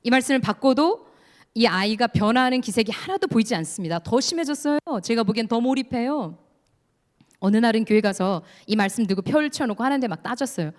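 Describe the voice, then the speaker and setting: A woman's voice: on the high side, animated, fast. Earnest woman giving a church testimony. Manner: earnest storytelling, leads the congregation in reading. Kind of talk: testimony sermon. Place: church sanctuary. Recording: long church hall reverb.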